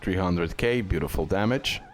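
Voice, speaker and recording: Low-voiced man commentating gameplay. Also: expressive, normal speed. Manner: repeats words and phrases. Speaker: gaming video creator.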